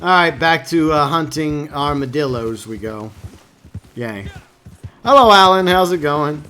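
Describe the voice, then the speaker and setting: A man's voice: fairly high pitch, lively intonation, measured pace, bright, forceful tone, clear, resonant tone. A man from Texas, casually chatting to viewers on a live game stream and reading their comments aloud.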